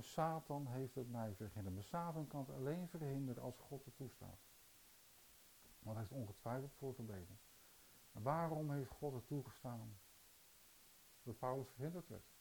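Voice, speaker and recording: A man's voice: medium pitch, warm tone, slight background noise, poor audio. A man preaching a sermon, telling stories and putting rhetorical questions to his listeners. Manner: storytelling, rhetorical questions to the audience.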